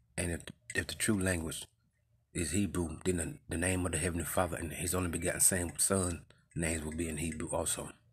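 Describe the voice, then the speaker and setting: A man's very deep, low voice with an American accent, very fast and somewhat breathy, in a monotone, flat delivery over light background noise. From US. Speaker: street preacher. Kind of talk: sermon. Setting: outdoors street ministry, livestreamed. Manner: emphatic, repetitive preaching delivery with scripture quoting. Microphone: phone near.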